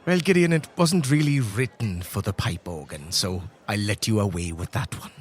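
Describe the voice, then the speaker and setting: A man's voice: fairly low pitch, animated, moderate pace, lightly acted. A man voicing a tipsy, philosophical Catholic priest who rambles avuncularly in improvised tabletop roleplay. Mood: wry, resigned. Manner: rambling, avuncular, punctuating with "eh" and "right".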